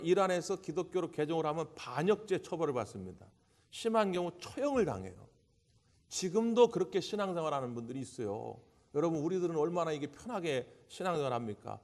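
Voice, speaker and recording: A man pastor preaching a sermon in a church sanctuary, dramatic and animated, acting out the voices he quotes. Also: on the high side, fast talker. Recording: church hall with long reverb.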